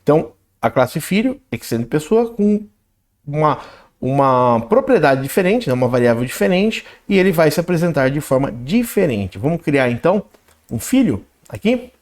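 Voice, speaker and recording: A man walks through code in a casual tutorial voice. His voice sits slightly high and swings up and down a lot as he explains. He talks while typing and checks in with quick "né?" and "ok?" asides. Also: big pitch swings, a little mellow. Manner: talks while typing code, reads output aloud, frequent "né?" and "ok?". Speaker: programming instructor. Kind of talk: screen-recorded coding tutorial.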